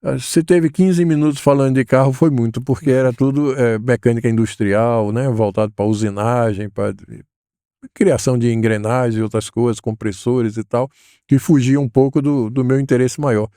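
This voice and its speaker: Older man, mellow reflective voice. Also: medium pitch, fairly even intonation, moderate pace, smooth, dry recording, studio quality. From Salvador, Bahia, Brazil. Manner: thoughtful, hesitant, many fillers. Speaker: guest, educator. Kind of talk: relaxed interview conversation.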